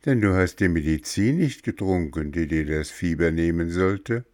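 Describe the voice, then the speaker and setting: A man's voice: deep voice, expressive, moderate pace, a little mellow. A man voicing a grim big black hare in a storybook, with a blunt, ominous manner. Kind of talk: storybook character voice.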